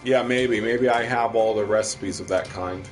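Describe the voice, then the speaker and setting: Man, Midwestern accent, lower voice, casual stream chat, faint music behind. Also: moderate pace. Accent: American Midwestern. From American Midwest. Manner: relaxed, chatty, answers chat viewers. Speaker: livestream host. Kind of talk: casual gameplay commentary.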